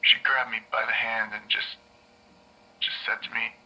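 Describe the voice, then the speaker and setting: A man's voice: fairly low pitch, flat delivery, normal speed, bright, forceful tone, low-quality recording. An actor playing a nervous young man in a therapy session, stammering, repeating himself and rambling. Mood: anxious. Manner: stammering, repeats words, hesitant. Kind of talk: audio drama acting.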